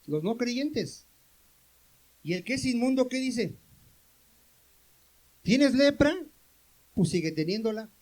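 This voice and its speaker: Male pastor, high voice, questions-and-answers sermon style with calls for amens. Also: lively intonation, slow, pauses often, a little mellow, poor audio. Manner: questions the congregation and answers himself.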